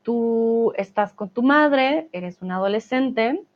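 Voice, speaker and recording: A woman teaches a language class at an unhurried, deliberate pace, drawing out her words. Her voice sits a little higher than most, and the recording has a dull, lo-fi sound. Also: expressive. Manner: patient explaining, drawn-out words, frequent "¿vale?" check-ins. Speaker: Spanish teacher. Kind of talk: online language lesson.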